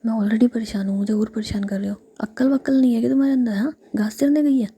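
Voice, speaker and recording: A woman whispering the lines of a protective, fussing young woman who is quick to scold. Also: on the high side, steady tone, creaky, mellow, breathy edge, dry recording, exaggerated voice.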